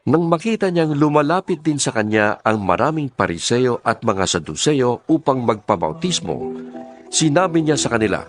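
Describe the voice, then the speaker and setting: A man narrates a dramatized scripture reading from a script. His medium-pitched voice moves with lively intonation. Faint music sits behind him. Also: normal speed, no echo.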